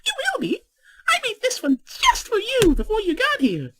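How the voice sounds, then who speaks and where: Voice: extremely high pitch, huge pitch swings, moderate pace, background noise, voice pushed up, heavily acted. A narrator voicing a bubbly, hyperactive young pink pony mare in a storybook reading, squealing and gushing. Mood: cheery.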